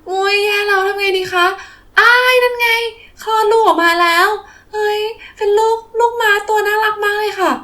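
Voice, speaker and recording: A woman plays a sweet little girl in a toy play, with a very high voice. She is eager and polite, and exclaims excitedly. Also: moderate pace. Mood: alarmed, excited. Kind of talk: children's toy play storytelling.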